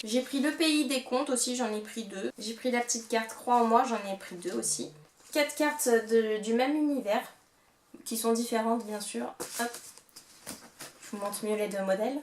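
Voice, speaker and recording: Young adult woman, French accent, casual chatty vlogger, lots of fillers, slightly high voice, echoey home recording. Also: a little hiss or hum. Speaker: book vlogger. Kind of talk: casual book haul vlog.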